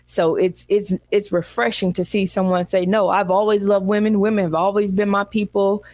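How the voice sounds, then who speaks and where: A woman co-hosting a podcast, speaking slowly and thoughtfully in casual chat, often restarting her phrases. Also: mid-range voice, flat delivery, a little mellow, dry recording. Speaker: podcast co-host.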